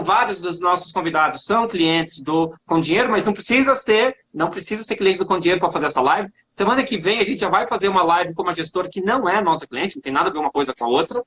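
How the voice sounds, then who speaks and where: Pitched high with a fairly bright tone, this Brazilian man's voice carries a little hiss or hum. He's a finance professor hosting a relaxed live-streamed interview by video call, joking and friendly throughout.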